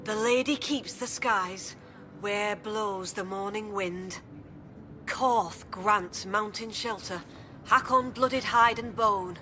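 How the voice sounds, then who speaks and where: A woman's voice: mid-range voice, slow pace, pushed and bright. A woman playing a hearty, devout tribal huntress in a video game, forthright and earnest like a storyteller. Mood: reverent. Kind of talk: video game dialogue acting. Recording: clear background noise of game ambience.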